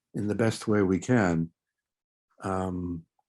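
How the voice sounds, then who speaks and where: Over a quiet background, a man with an American accent speaks at a very deep, low pitch with fairly even intonation. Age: 70s. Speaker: focusing teacher. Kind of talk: casual chat. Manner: halting.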